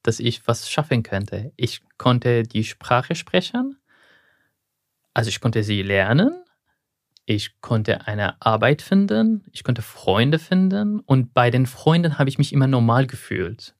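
A young Syrian man speaks German as a non-native language, answering interview questions as a guest in a thoughtful way, sometimes searching for words and making a few slips. His voice is medium-pitched with big swings in pitch, and he talks slowly. The recording is dry and clean, with a studio sound.

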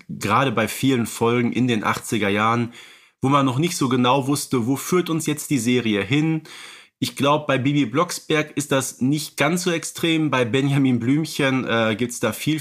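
A man's voice: medium pitch, a bit bright. A man co-hosting a podcast, explaining at length in casual chat, with many fillers. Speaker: podcast co-host.

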